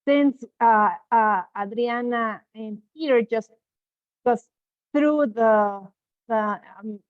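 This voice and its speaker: A woman's voice: on the high side, dry recording. Woman on a tinny video call. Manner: quick, with frequent filler sounds. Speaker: host presenting promotions. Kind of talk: live webinar announcements. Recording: tinny, dry call audio.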